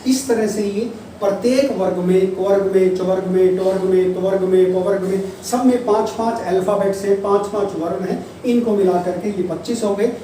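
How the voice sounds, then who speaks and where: A male teacher lectures on grammar in a patient, repetitive style, drawing out each example syllable by syllable. His voice is mellow and set back from the microphone. A heavy room echo and a faint hiss sit around every word. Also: high-pitched, steady tone. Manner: explains patiently, repeats key terms and drawls examples slowly. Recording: distant mic, echoey room, faint noise.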